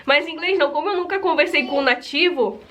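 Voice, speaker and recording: A chatty young woman from Brazil talks straight to camera in a high, bright voice. She keeps calling out to her viewers in a casual, easygoing chat. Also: fast talker, noisy background. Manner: chatty, repeats "gente" often. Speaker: vlogger.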